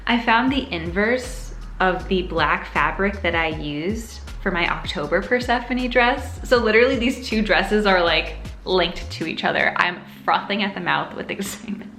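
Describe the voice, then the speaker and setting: Bright-voiced young woman vlogger in a roomy space. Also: mid-range voice, normal speed, hardly any pauses. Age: 20s. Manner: bubbly, playful, hyperbolic. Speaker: sewing vlogger. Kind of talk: casual chatty vlog. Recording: roomy echo, music behind. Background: music.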